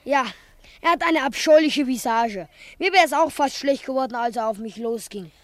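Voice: sits high, moderate pace, no room sound, lightly acted. A performer playing a sturdy, protective teenage schoolboy in a children's radio play, blunt but good-natured and comforting.

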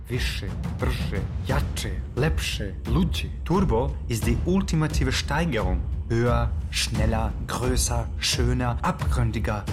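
A man's voice: mid-range voice, natural voice. A man playing a Serbian radio host in a radio play, proclaiming slogans as a passionate turbo-folk evangelist. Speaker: radio show presenter. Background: music behind the voice.

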